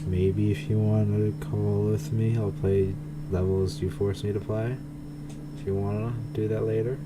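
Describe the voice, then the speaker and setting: A man's voice: on the low side, level tone, measured pace, very noisy. A man live-streaming a game, chatting casually and informally. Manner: informal, laughs easily. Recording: game music behind voice.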